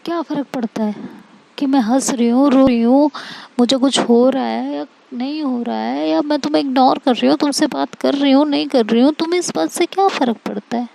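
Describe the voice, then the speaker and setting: Lady playing a cold furious young woman, snapping fast, a bit gravelly and high. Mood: scornful. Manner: sharp, scolding, rapid retorts. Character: angry proud young woman, cold and scornful.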